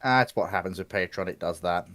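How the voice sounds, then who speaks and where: A man speaking as a panelist in a casual livestream chat, deliberate and given to repeating phrases. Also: sits low, fairly bright tone.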